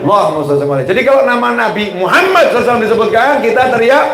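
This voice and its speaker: Animated preacher, high voice. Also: male voice, very fast. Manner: animated, call-and-response with the congregation. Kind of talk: sermon. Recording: roomy echo.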